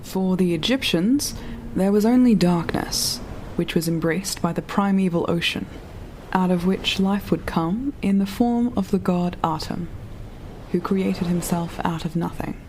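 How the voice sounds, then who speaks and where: A reflective, philosophical narrator of a sci-fi audio drama, played by a woman. The voice is on the low side, solemn and deliberate, like a scripted monologue. There is slight background noise. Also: darkish tone, natural voice, poor audio. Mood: solemn, musing. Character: reflective, philosophical storyteller in a doomed world.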